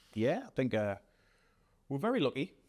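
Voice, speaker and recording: Recorded very cleanly with a silent background and a dry, close sound with no echo, a man speaks with a North East England accent. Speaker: company founder and CEO. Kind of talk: podcast interview. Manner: hesitant with repetitions.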